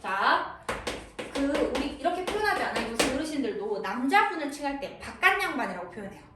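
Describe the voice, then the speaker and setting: A high, animated woman's voice lecturing on literature, now and then acting out a character's lines. She sits a little away from the mic in an echoey room. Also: a little fast, far from the mic, heavy background noise. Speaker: literature teacher. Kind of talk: lecture explaining a classical text.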